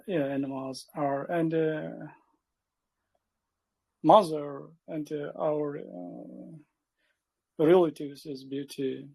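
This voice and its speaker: Slow, gravelly, hesitant man learning English. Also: fairly high pitch, fairly even intonation, warm tone, rough recording. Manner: hesitant, with many pauses and fillers. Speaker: class participant.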